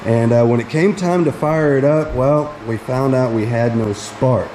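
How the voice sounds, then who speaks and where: With poor audio and loud fan noise behind him, a middle-aged American DIY mechanic vlogger talks through a hands-on repair in an easygoing, folksy style. He's working in a hot space around a truck with a fan running, and his medium-pitched voice is a little slow.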